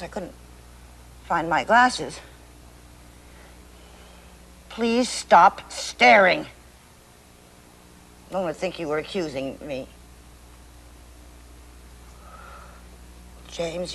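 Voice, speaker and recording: A woman's voice: deep voice, slow pace, pauses often, a bit bright, breathy edge, full character voice, low-quality recording. An actress playing a fragile, middle-aged mother who stammers nervously and turns to scolding in a filmed stage drama. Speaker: mother of the family.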